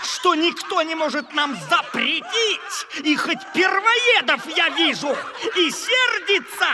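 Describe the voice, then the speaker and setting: An actor playing a young, shameless baron who jeers and cackles at the others in a radio play. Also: male voice, very high-pitched, lively intonation, slow pace, noisy background, heavily acted. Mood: jeering. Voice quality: cackling, jeering. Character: young male dissolute baron, mocking and shameless.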